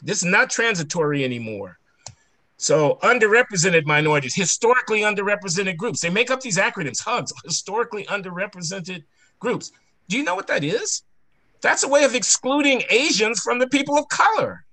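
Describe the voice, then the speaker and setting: A man speaks in an impassioned rant as a panel speaker, with frequent restarts. His voice is sharp and forceful and sits a little high. The recording is very dry, with no room sound. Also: sing-song, brisk, no echo. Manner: emphatic, ranting, many restarts.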